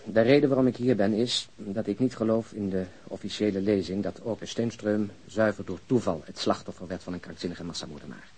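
A man acting in a crime audio drama as an earnest, principled police detective, blunt and probing, speaking deliberately. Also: lowish voice, darkish tone, husky. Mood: serious, probing. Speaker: actor in a radio drama.

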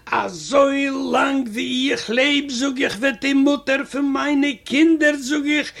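High, gravelly male storyteller. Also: fairly bright tone. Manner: chatty, repeats "I say" as he retells a quarrel. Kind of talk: reading a comic first-person story aloud.

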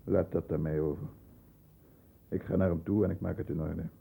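Low, very dark-voiced composed lawyer. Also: male voice, flat delivery, vocal fry, breathy edge, heavily acted. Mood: controlled, probing. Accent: Netherlands Dutch. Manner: measured, deliberate, formal. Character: composed middle-class lawyer, protective older brother, narrating. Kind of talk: 1960s Dutch radio play, first-person narration and dialogue.

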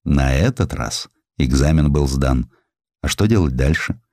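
A man reading a historical sketch as an audiobook narrator, in an expressive, theatrical storytelling style. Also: extremely low pitch, unhurried, no echo, clean studio sound. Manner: theatrical, dramatic storytelling delivery.

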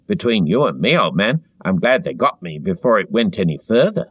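A man voicing a frightened, servile middle-aged man who pleads eagerly in a high, strained voice. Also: sing-song, brisk, breathy edge, dry recording. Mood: feverish. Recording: dull dry lo-fi recording.

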